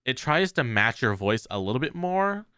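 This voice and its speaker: A man hosting a tech tutorial, talking through software steps in an informal, hesitant, unscripted way into a close microphone. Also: mid-range voice, sing-song, normal speed, clean tone, no echo. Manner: informal, hesitant step-by-step explaining. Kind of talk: casual unscripted software walkthrough.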